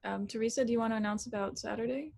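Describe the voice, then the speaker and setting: A woman's voice: on the high side, steady tone, very fast, vocal fry, a little mellow. A woman moderator asking a curious, chatty question and hosting announcements. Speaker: session moderator. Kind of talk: casual discussion and hosting.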